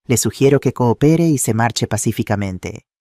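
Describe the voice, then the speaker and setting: Man voicing calm formal lawyer woman, firm and measured, low mellow voice, dry sound. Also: no echo, lightly acted. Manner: formal, measured legal phrasing.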